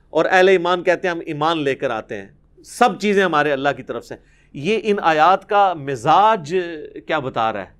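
Pakistani male religious teacher, middle-aged, fairly high voice, lively explaining, slow careful recitation. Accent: Pakistani Urdu. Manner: animated explaining, slow measured recitation of Arabic verses. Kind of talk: Quran commentary lecture.

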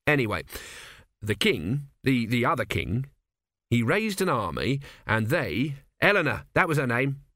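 A man's voice: mid-range voice, big pitch swings, a little slow, sharp tone, dry recording, studio quality, heavily acted. A man voicing a forgetful old male storyteller who rambles, loses track and corrects himself. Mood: rambling. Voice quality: muddled, meandering, losing the thread.

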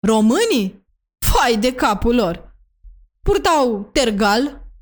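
A woman voicing an elderly retired woman, slow and emphatic as she exclaims. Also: high voice, fairly even intonation, clean tone, voice pushed up, lightly acted. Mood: indignant.

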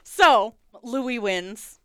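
A woman's voice: a little high, expressive, very slow, slight background noise. A woman hosting a podcast, giggling often as she casually recaps a reality show. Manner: giggly, frequent laughing. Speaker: podcast host.

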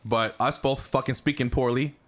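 A young man hosting a casual comedy podcast, excitable and teasing, swearing freely. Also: mid-range voice, moderate pace. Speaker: podcast host.

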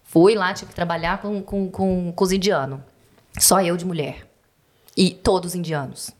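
A Brazilian woman with a Brazilian Portuguese accent, a podcast guest telling animated, profane stories and acting out quotes. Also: lowish voice, normal speed. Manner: animated, profane storyteller who acts out quotes. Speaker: podcast guest, bank teller. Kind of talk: casual podcast chat.

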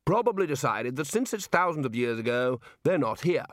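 A man's voice: medium pitch, very animated, fairly quick, no echo, clean studio sound, lightly acted. A man voicing a hearty older chief wizard, cheerful, blunt and unflustered, in a fantasy storybook reading.

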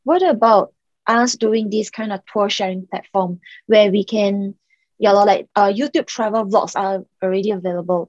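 A woman's voice: mid-range voice, a little mellow, dry recording, lo-fi sound. A young Singaporean woman, a startup founder, chatting casually as a podcast guest and leaning on "like" and "um". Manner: chatty, many "like" and "um" fillers.

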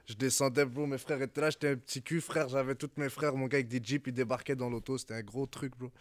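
A man's voice: medium pitch, fairly even intonation, fast, dry recording. A man guest talking casually in streetwise slang, tagging his sentences with bro and frère. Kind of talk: casual interview chat.

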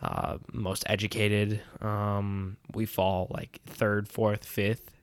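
A young man from the United States chats in a joking, sarcastic way and laughs through his points. His voice sits low. The sound is dry and close, with no room around it. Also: flat delivery, slow pace, no room sound. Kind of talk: casual chat.

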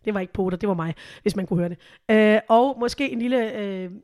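A woman's voice: mid-range voice, a little mellow, dry recording, clean studio sound. A woman co-hosting a podcast in casual chat, giggly and hesitant, her voice changed by a cold, at home in a living room. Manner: giggly, hesitant with many fillers. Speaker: podcast co-host.

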